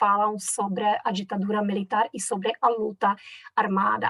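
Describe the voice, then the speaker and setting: A woman speaks very slowly with a Czech accent. The sound is dry and close, with no echo. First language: Czech (speaking Portuguese). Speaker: literature professor. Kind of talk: academic lecture. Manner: slow, reading aloud.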